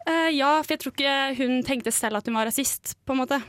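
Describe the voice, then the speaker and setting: A young woman with a high, slightly bright voice co-hosts a radio show from the studio, telling a story in a casual chat. She laughs often and uses plenty of fillers, and the recording is dry.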